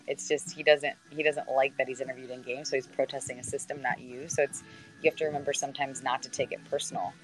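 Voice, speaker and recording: A sideline reporter in her thirties with a naturally deep voice chats on a video call, answering student questions. Her conversational replies are full of ums and restarts, and the recording is rough.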